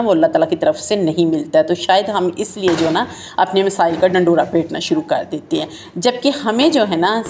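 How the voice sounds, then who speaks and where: A woman's voice: fairly low pitch, a little mellow, slight background noise. A woman giving a casual, heartfelt talk straight to her listeners, whom she calls her sisters and friends. She speaks in a loose conversational flow and often leans on the filler "jo hai na". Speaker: motivational talk host.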